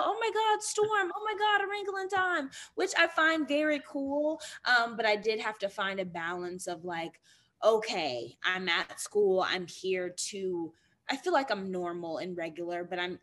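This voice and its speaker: A young woman speaks as a guest over a video call from a small indoor room. She tells her stories in an animated, quick way, her pitch sitting in a middle range, and fills her sentences with ums and restarts. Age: young adult. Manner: animated, quick storytelling with fillers and repeats. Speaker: guest actor.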